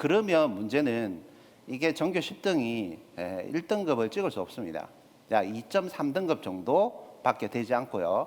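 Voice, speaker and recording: A man with a Gyeongsang accent and very wide pitch swings, on a very clean recording with a silent background. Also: medium pitch for a man, fairly slow pace. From Gyeongsang region, Korea. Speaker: college admissions counselor teacher. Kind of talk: lecture.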